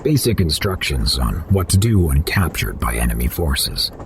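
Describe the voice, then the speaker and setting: Deep-voiced terse alien mercenary. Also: male voice, very animated, normal speed, noisy background, full character voice. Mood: stern. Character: gruff alien fish-folk mercenary, proud, hazy memory. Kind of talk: audio drama acting.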